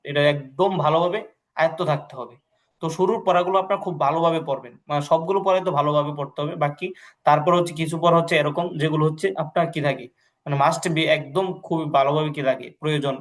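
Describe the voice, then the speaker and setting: A man teaching an English class, explaining patiently and repeating himself a lot. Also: on the high side. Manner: repetitive, patient, many fillers and pious phrases. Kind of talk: online language class, explaining to students.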